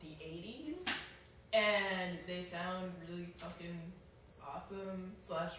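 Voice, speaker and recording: A young woman co-hosting a casual chat show, giggling and chiming in often. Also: lowish voice. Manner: giggly, quick to agree and chime in. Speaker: co-host. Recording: echoey room, mic far off, noisy.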